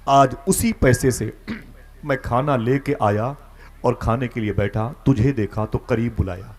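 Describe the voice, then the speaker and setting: Man, Islamic preacher, dramatic storyteller who voices every character with sharp high loud bursts. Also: lively intonation. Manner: dramatic, acts out dialogue with sudden high loud outbursts. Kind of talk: religious storytelling speech at a gathering.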